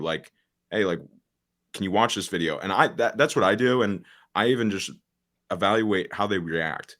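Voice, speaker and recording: A nineteen-year-old man with a deep voice, a podcast guest talking in a casual, straightforward way with frequent restarts and fillers. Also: a bit bright. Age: teens. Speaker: guest, social media agency founder.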